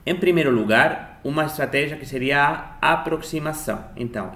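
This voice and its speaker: A man delivers an explanatory lecture in an echoing room. His voice sits at a middling pitch with a gravelly, creaky edge. He teaches didactically, putting rhetorical questions to his listeners. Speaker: language lecturer. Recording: roomy, echoing room sound.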